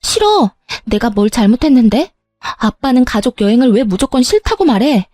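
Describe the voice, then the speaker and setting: A woman's voice: on the high side, brisk, dark tone, no echo, clean studio sound, lightly acted. A woman voicing a stubborn young schoolgirl daughter who whines and talks back, with faint music behind. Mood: defiant. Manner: whiny and defiant.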